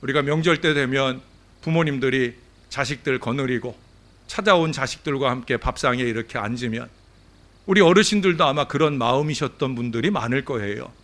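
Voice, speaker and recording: A man, a pastor, preaching a Sunday sermon and addressing the congregation directly in an animated way. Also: mid-range voice. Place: church service.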